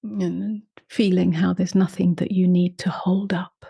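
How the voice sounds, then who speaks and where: A woman leading a guided meditation in a soft, unhurried voice that often drops to a half-whisper. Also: lowish voice, little pitch movement, creaky, husky, no room sound, muffled recording. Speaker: meditation teacher.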